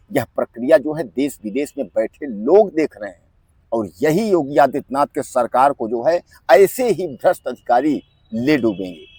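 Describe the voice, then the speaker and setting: A man delivers news commentary straight to viewers, addressing them like friends and hammering his points through repetition. His medium-pitched voice is creaky, darkish and slightly rough with no echo, and he keeps filling pauses with the habitual phrase "jo hai."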